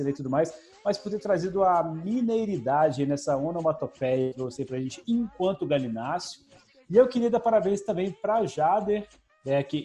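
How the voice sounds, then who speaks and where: Rambling man, mellow tone. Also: a little high. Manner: rambling, enthusiastic, stumbling over words. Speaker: podcast co-host judge. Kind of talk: comedic podcast banter.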